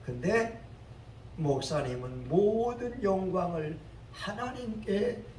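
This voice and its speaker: A male pastor preaching with a high voice and an unhurried pace. His delivery rises into loud, dramatic outbursts. He is recorded from a distance in an echoey church with faint ambient noise. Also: animated. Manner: dramatic, loud quoted exclamations. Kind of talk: sermon. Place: church sanctuary.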